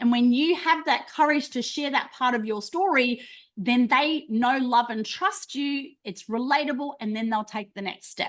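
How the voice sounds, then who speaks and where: With an Australian accent, a woman speaks in an animated tone at a high pitch. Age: 40s. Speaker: business coach. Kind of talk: masterclass presentation. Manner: fast.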